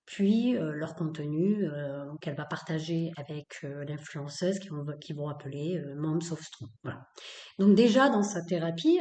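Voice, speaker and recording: A woman's voice: low voice, dark tone. Emphatic woman, echoey room. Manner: emphatic, repetitive, with many fillers; blunt, opinionated. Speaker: podcast host. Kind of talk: spoken-word episode.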